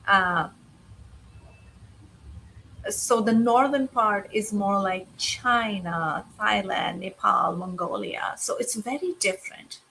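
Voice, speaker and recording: Unhurried woman voicing a guest. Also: mid-range voice, creaky, bright, forceful tone, slight background noise, low-quality recording. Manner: unhurried, pausing with uh between phrases. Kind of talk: voicing a signed interview answer.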